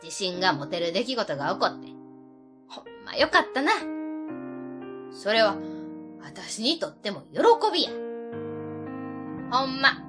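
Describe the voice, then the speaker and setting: A woman playing a lively Kansai auntie. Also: mid-range voice, measured pace, long pauses, music in the background. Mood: tender. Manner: chatty, teasing. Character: lively middle-aged prankster aunt, warm-hearted. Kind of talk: amateur web radio drama.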